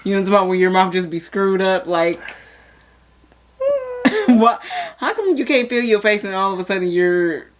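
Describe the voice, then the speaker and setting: A woman's voice: mid-range voice, sing-song, normal speed, noisy background. A young woman co-hosting a podcast, chatting casually in slangy, blunt speech with swearing and frequent laughter. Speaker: podcast co-host. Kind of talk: casual chat.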